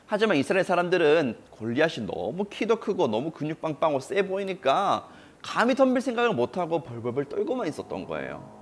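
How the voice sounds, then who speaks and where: Lively male pastor telling a story. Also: fairly high pitch, fairly quick, a little hiss or hum. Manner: animated storytelling, addressing children. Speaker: children's pastor. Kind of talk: children's sermon storytelling.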